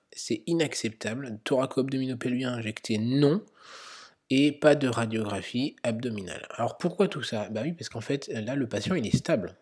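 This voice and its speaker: A man's voice: medium pitch, breathy edge. A man, a medical educator, talking through an emergency-medicine quiz in an explanatory way, with many fillers. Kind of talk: narrated quiz lesson.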